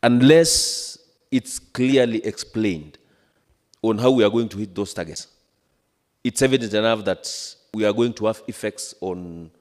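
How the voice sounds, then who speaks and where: A man with a Kenyan accent giving a halting, repetitive parliamentary speech as an assembly member. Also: lowish voice, a little mellow. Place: large assembly chamber. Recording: echoey hall with long reverb.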